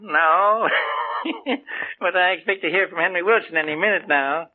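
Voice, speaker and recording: A man playing a high, chuckling jewel dealer. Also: moderate pace, natural voice. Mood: evasive. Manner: laughs between lines, airy. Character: smooth male jewel dealer, chuckling and evasive. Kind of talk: 1940s radio acting. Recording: tinny lo-fi old radio recording with faint hiss.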